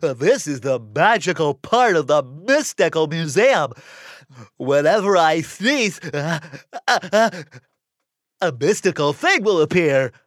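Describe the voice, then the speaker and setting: A jolly sneezy cartoon curator. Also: male voice, a little high, sing-song, slow, dry recording, clean studio sound. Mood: chatty. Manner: giggly, sneezy, hesitant. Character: plump jolly male museum curator with red nose. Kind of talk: children's cartoon voice acting.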